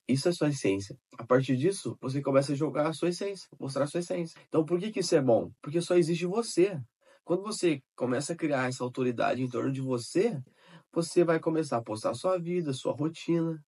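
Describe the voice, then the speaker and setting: A man's voice: mid-range voice, darkish tone, husky. A man talking straight to his viewer in casual, informal advice, repeating points and checking that the listener has understood. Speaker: digital marketing creator. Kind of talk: casual direct-to-camera advice.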